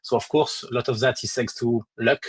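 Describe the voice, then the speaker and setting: A man's voice: mid-range voice, fairly even intonation, brisk, slightly rough, no room sound. French-accented man, dry close sound. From France. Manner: hesitant, many "uh" fillers. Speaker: crypto project lead and guest. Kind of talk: casual online audio chat.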